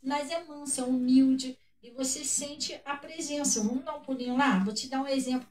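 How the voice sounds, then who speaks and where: A woman with a Brazilian Portuguese accent, speaking in a casual podcast chat about faith in a preacherly way, repeating her words. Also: high voice. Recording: echoey room, voice from a distance.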